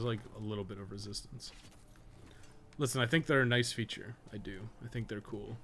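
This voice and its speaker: A man with a fairly low voice talks casually as he streams a game. He rambles from thought to thought and swears freely. There is clear background noise with game ambience behind him. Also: fairly bright tone. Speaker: game live streamer, podcast co-host. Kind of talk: casual livestream chat while gaming.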